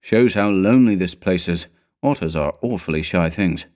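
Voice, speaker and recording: A blustering male adventurer from a storybook , read by a man. He is stubbornly rational and dismissive, with nerves showing through his impatience. His voice sits fairly low for a man. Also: moderate pace, darkish tone, natural voice. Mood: dismissive, uneasy. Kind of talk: storybook character dialogue.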